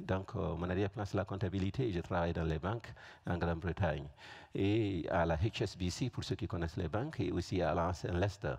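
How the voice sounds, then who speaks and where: A somewhat breathy voice at a moderate pace, with ordinary pitch variation, very even loudness and a quiet background. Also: man. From Burkina Faso. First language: Fulfulde (speaking French). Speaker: missionary preacher. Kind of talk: testimony.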